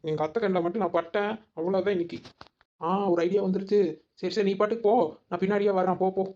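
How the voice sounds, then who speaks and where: Rapid-fire scheming daughter-in-law, acted by a woman. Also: mid-range voice, steady tone, warm tone, muffled recording, natural voice. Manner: muttering asides, fretful. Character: scheming, exasperated young village daughter-in-law. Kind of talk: cartoon comedy dialogue.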